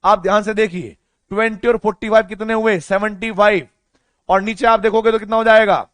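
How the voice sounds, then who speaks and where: High-pitched young male chemistry teacher, dry sound. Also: steady tone, no echo. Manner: coaxing, asks students questions and answers them himself; speaks softly and slowly on purpose. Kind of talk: online lecture. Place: home recording room.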